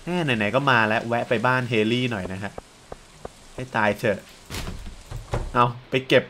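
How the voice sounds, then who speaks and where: Young man, let's play commentary, excitable, chatty, quick to exclaim, middling pitch. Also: a little hiss or hum. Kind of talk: casual gameplay commentary.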